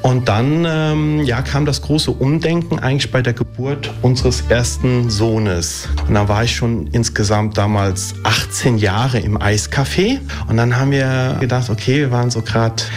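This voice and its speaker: A man in his forties, an ice cream maker, talking casually and chattily in an interview with many fillers and easy laughter. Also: mid-range voice. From Germany.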